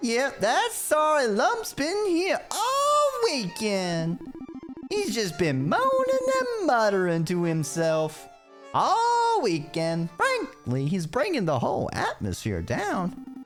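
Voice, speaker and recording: A put-on character voice at a fairly high pitch talks at a very slow pace. Clear music plays in the background. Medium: virtual streamer. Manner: warm, chatty.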